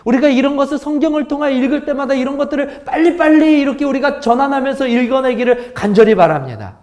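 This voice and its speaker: High-voiced Korean pastor teaching scripture. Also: male voice, expressive, fast, darkish tone. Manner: asks the congregation frequent questions; acts out contrasting tones of voice. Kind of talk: Bible teaching sermon.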